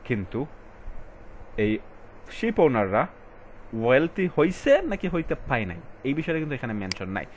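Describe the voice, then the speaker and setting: Tutor reading English words slowly. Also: male voice, medium pitch, big pitch swings, slight background noise. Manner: switches between Bengali and English, reads passage lines slowly and stresses words; addresses students directly, casual colloquial. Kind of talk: recorded exam-prep lesson.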